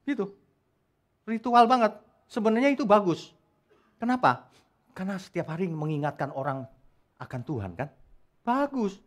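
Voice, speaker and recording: A man preaching a sermon at a church service, emphatic and animated, with loud peaks. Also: high voice, moderate pace, pauses often. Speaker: pastor.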